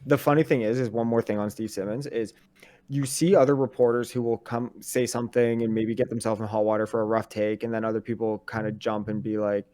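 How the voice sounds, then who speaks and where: A man's voice: on the low side, level tone, fairly quick, dark tone. A young man co-hosting a sports podcast, talking in a heated, profane, worked-up way. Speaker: podcast co-host. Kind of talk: casual sports chat.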